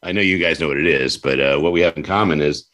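Upbeat low-voiced male host, loose and playful in conversation. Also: fast talker, fairly bright tone. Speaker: podcast host. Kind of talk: casual interview chat.

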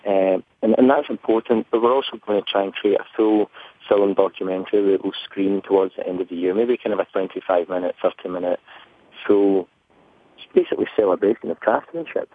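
A man with a broad Scottish accent speaks as an interview guest in an earnest, conversational way. His voice is on the low side. It comes through a tinny, narrow phone line with a dry sound. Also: steady tone, a little fast, dry recording. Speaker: interview guest, brand representative. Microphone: telephone.

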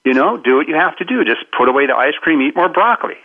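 Brief: fifties man, talk-radio guest, animated storyteller, phone-line sound. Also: a little high, fast, slightly rough. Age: 50s. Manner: animated storyteller, acts out quoted voices. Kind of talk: radio interview.

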